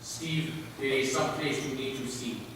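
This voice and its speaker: A man playing a slow, echoing, solemn tribal warrior. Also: medium pitch, close to an everyday voice. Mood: grave, remorseful. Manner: slow, solemn, declamatory delivery. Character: fierce tribal warrior man, a killer haunted and remorseful. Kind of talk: dramatic stage recital, reader's theater. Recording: very echoey hall from far off, faint noise.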